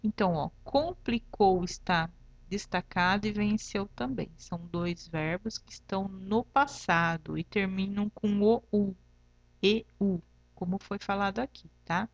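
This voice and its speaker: A woman's voice: medium pitch, unhurried, vocal fry, no room sound, muffled recording. A woman teacher with a Brazilian Portuguese accent, patiently explaining a lesson and checking in with "tá?" after each point, spelling examples out syllable by syllable. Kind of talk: remote classroom lesson.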